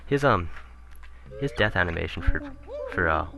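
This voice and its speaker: A man commentating casually on a video game he is playing, rambling and correcting himself, his voice turning raspy. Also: deep voice, expressive, normal speed. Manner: rambling, self-correcting, chuckling asides. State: voice getting raspy. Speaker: let's play commentator. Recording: game music playing behind.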